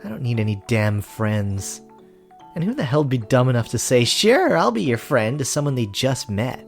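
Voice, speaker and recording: A woman's voice: rumbling low, big pitch swings, moderate pace, a little mellow, faint music behind, exaggerated voice. A woman voicing a jaded, foul-mouthed village boy in a story game, blunt, curt and mocking. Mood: scornful. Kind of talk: dramatic character voice reading of a story game.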